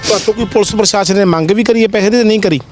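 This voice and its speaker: A man conducts a news interview, firing off probing questions between short hums of assent. His voice sits high for a man and the pace is quick. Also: darkish tone, soft background music. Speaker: reporter, interviewer.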